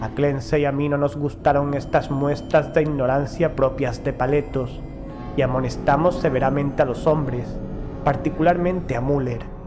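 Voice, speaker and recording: A man reading a first-person horror story as an audiobook narrator, in a measured, formal storytelling delivery. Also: mid-range voice, steady tone. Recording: music behind the voice. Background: background music.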